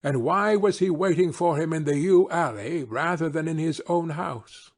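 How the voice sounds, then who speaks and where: A man's voice: on the high side, moderate pace. A man reading an audiobook as a keen, analytical detective, courteous, with a precise, questioning delivery. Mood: musing, deductive.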